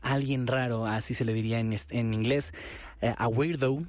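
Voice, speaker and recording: A man with a Mexican Spanish accent hosting a radio ticket giveaway from a studio booth, animated and repeating phrases for emphasis. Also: mid-range voice, moderate pace, no echo. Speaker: radio host.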